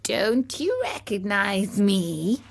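A woman voicing a calm female snail who speaks slowly and softly. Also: medium pitch, gravelly, breathy edge, exaggerated voice. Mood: gentle. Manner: slow, calm, hushed.

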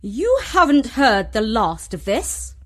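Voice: mid-range voice, very animated, slow, a bit bright, voice pushed up. A storyteller voicing a bossy, pushy middle-aged woman who chairs a school committee, making haughty demands. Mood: imperious.

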